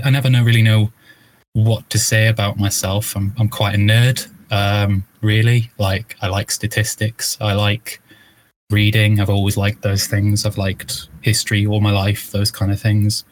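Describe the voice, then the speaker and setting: A young man from northeast England, a guest in an interview, talking casually and thoughtfully with many restarts and ums. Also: lowish voice. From Newcastle, northeast England. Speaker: guest, video essay narrator.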